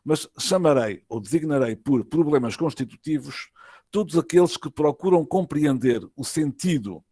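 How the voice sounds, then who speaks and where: A man with a European Portuguese accent reads an academic lecture in a formal, measured way, phrase by phrase, with some hesitations. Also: on the high side, expressive, warm tone, husky, dry recording, studio quality. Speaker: university professor, conference lecturer. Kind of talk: academic lecture read from a prepared text. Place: online web conference.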